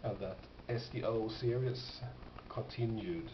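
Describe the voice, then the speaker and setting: Male collector, casual halting presenter; dull sound with clear noise. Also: fairly low pitch. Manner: halting, pausing, thoughtful delivery. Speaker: record collector presenting finds. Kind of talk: casual unscripted show-and-tell. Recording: dull, noisy, echoey home recording.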